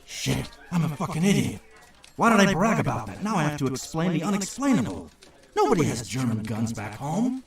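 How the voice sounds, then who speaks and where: A man acts the anxious inner monologue of a young soldier in a radio play. It is heavily echoed and distant, pitched high for a man. The self-scolding delivery swings around in pitch. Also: big pitch swings, fairly quick. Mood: panicked self-reproach. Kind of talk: audio drama inner monologue.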